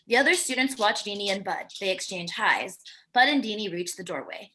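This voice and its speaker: A woman's voice: medium pitch, lively intonation, fairly quick, fairly bright tone, slight background noise, low-quality recording. A woman narrating screenplay stage directions in a plain descriptive reading, with the occasional stumble, at a virtual table read.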